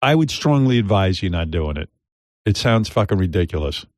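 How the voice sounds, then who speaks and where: A man's voice: sits low, sing-song, normal speed, dry recording, clean studio sound. A man hosting a talk radio show, speaking bluntly and profanely in a mocking, needling way. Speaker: radio host.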